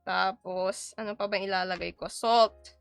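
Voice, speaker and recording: A woman's voice: mid-range voice, fairly even intonation, unhurried, creaky, smooth, dry recording, soft background music. A young Filipino woman with a mixed Filipino accent, chatting playfully on a live stream while she cooks and switching between Tagalog and English. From Philippines. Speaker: VTuber streamer. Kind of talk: casual live-stream chat while cooking.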